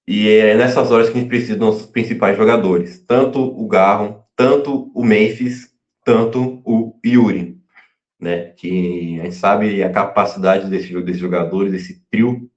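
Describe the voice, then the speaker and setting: A man giving casual pre-match football talk, halting, full of fillers and restarts. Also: lowish voice, a little mellow. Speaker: fan channel pundit. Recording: echoey room, dull lo-fi sound.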